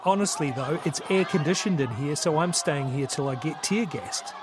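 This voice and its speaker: A man's voice: on the high side, normal speed. A man reporting on the ground, giving wry live commentary into phone video outdoors at a street protest. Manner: wry, dry humor. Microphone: phone camera. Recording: phone video in a noisy crowd.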